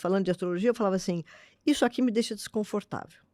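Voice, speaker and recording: In a dry, close recording with no echo, a woman talks with lively intonation. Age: 60s. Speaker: philosophy of education scholar. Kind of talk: interview conversation.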